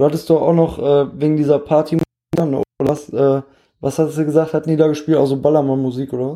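A man speaks in a dark, mellow tone at a fairly high pitch. His intonation is monotone and flat. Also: fairly quick pace. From Duisburg, Ruhr area, Germany. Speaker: podcast co-host. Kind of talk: casual chat.

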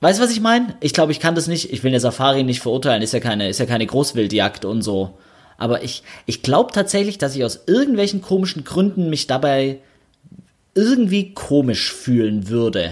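In a very clean recording with a silent background, a man with a fairly high pitch talks at a fairly quick pace, his pitch swinging very widely. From Stuttgart, Swabia. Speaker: podcast co-host, freelance radio journalist. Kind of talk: casual chat.

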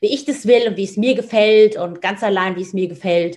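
A plain, everyday voice from a woman, fairly high in pitch, with ordinary pitch variation at a moderate pace. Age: 50s. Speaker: podcast host and NLP trainer. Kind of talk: personal update monologue. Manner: warm, informal.

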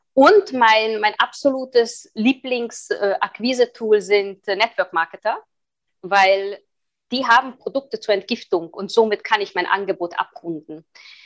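Heard in a dry, close sound with no echo, the speaker talks fairly slowly with a Hungarian accent. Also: woman, fairly high pitch for a woman, ordinary pitch variation. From Hungary, early childhood in East Germany. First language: Hungarian (speaking German). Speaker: hypnotist for quitting smoking. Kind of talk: interview.

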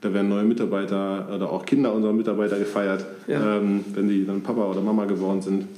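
Against noticeable background noise and audible room echo, a man talks at a very fast pace in a fairly low voice. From East Westphalia, Germany. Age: 40s. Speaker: IT manager, former army officer. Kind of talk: casual interview chat.

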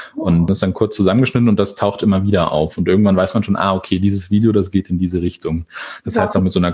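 With fairly even intonation, this man rattles off his words at a very fast pace. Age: 20s. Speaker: photographer and filmmaker. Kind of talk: interview. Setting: video call.

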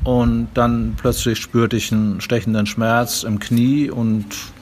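A man speaks at a fairly low pitch with fairly even intonation, with noticeable background noise. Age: 70s. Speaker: retired masters athlete and sports badge examiner. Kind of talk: interview answers. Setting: outdoors on a beach.

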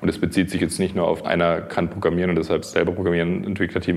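Amid noticeable background noise, a man with a very deep, low pitch speaks at a very fast pace in monotone, flat intonation. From southwestern Germany, Baden near Freiburg. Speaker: startup founder and CEO. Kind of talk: interview.

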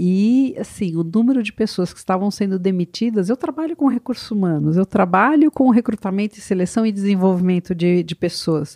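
A woman talks at a fairly quick pace with hardly any pauses, her dark, mellow tone at medium pitch carrying lively intonation. The sound is dry and close with no echo. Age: 50s. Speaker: entrepreneur and psychologist. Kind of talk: storytelling on stage and interview.

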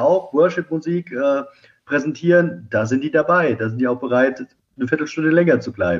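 With ordinary pitch variation and a fairly high pitch, a man speaks in a plain, everyday voice. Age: 50s. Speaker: Protestant pastor. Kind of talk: casual chat.

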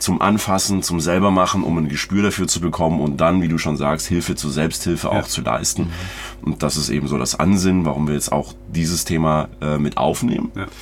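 Over noticeable background noise, a man with a very deep, low pitch speaks at a fairly quick pace and ordinary pitch variation. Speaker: podcast host. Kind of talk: casual chat. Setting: in a camper van at a trade fair.

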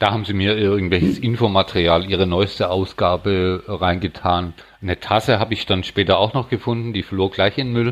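A man with an unremarkable speaking voice talks at a fairly quick pace with hardly any pauses, in a fairly low pitch with fairly even intonation. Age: 50s. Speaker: restaurant owner and private investor. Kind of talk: casual chat.

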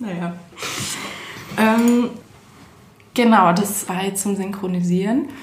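In a room with audible echo and noticeable background noise, a woman speaks very slowly at medium pitch with ordinary pitch variation and long, frequent pauses. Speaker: music journalist and podcast host. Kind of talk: casual chat.

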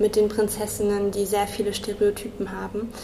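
A woman speaking at a moderate pace amid noticeable background noise. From Kassel, northern Hesse, Germany. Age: 20s. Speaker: children's book publisher founder, doctoral student. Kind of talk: casual interview.

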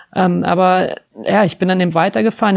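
A woman speaks in a normal speaking voice at medium pitch. Her pace is moderate. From Germany. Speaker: ultracycling racer. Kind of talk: interview.

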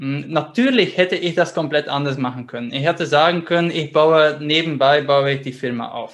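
A man speaks at a fairly high pitch with a Dutch accent. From Belgium, Flemish. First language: Dutch (speaking German). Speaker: life coach and entrepreneur. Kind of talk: casual interview. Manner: halting.

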